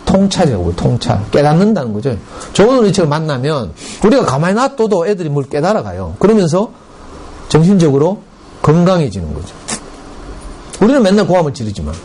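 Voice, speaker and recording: A middle-aged man with a Gyeongsang Korean accent giving a parent education lecture in a school room, telling stories with lively, dialect-colored asides. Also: fairly high pitch, brisk, slight background noise. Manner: lively storytelling with dialect and acted quotes.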